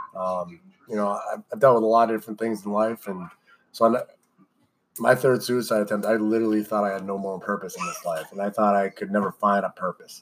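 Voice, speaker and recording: A man with an American accent speaks fairly quickly at a fairly low pitch, his intonation monotone and flat. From Massachusetts. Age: 30s. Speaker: charity cyclist, military veteran. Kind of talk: interview.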